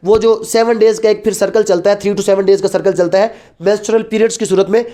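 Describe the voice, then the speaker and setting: A man's voice: sits high, little pitch movement, quick pace, warm tone. Male law lecturer, Pakistani accent, explanatory classroom delivery with rhetorical questions and code-switching into English. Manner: explanatory, asks and answers own questions. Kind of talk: lecture mixing Urdu and English.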